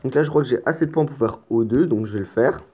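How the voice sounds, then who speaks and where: A man's voice: medium pitch, fast talker, breathy edge. A man commenting on his strategy game as a let's play host, explaining casually with stammers and the odd curse. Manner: chatty and explanatory, with stammers and mild swearing. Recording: tinny, phone-like lo-fi sound.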